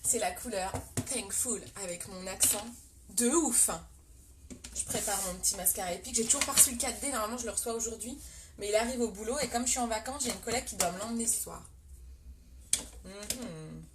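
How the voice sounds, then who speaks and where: A woman's voice: on the high side, a little fast, background noise. Chatty French woman doing a live makeup tutorial. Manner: chatty, talks to viewers and reads comments. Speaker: makeup livestream host.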